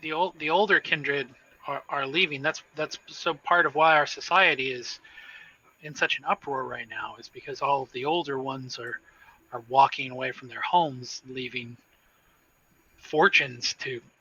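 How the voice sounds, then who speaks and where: A man puts on a character voice at a fairly high pitch and a moderate pace. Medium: actual play. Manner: hesitant, stammering.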